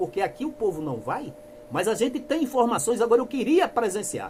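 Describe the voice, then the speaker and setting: This is a man speaking. His pitch is high. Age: 60s. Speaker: church member and online commentator. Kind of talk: denunciation monologue, sermon-like. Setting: live online broadcast. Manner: impassioned, preachy.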